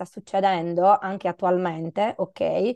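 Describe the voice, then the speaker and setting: The woman's voice has a dry, close sound with no echo, over a quiet background. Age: 40s. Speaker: business mentor. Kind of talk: casual chat. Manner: animated.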